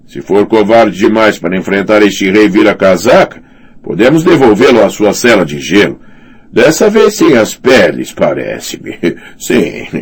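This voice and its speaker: A man reads as a puffed-up male commander, pitched well above a low husky voice and leaning hard on every boast. He bullies and gloats. The delivery swings widely in pitch. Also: sing-song, unhurried, exaggerated voice. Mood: scornful. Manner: boastful, bullying, talks of himself by name. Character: pompous blustering male commander, middle-aged. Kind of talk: audiobook character reading.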